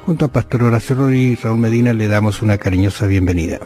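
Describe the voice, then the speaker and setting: A man's voice: fairly low pitch, fast talker, warm tone, soft background music. A man co-hosting a conversational Bible lesson, thinking aloud with frequent hesitations. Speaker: Bible study co-host.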